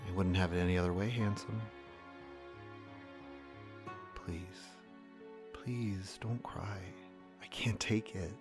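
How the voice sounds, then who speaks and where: A weary man near death for an audio drama. His voice sits fairly low, measured and tender, with quiet resolve. Soft music plays faintly behind him. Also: steady tone. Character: weary dying man, gentle, resolute, loving.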